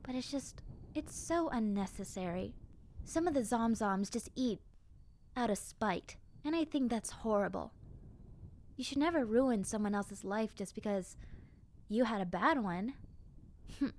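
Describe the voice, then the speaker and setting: A kind young zombie girl, acted by a woman in an audio roleplay. Her voice sits fairly high, and she talks directly to the listener in a soft-hearted, conversational way. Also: animated, unhurried, long pauses. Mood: earnest, wistful.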